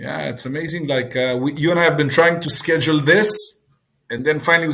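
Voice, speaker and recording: A man's very fast speech with audible room echo. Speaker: podcast host. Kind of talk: podcast interview.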